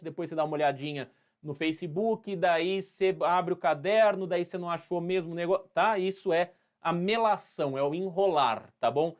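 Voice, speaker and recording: A high-pitched man with an interior São Paulo accent teaches history in a live online class. He is playful and chatty, greets students by name, and acts out little scenes to make a point. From Brazil.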